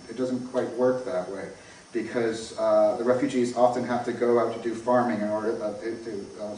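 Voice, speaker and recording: A distant, very echoey recording with faint noise carries a North American man speaking as an academic presenter. His pitch is average, and he explains in an informal lecture style. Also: darkish tone. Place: echoey indoor lecture room.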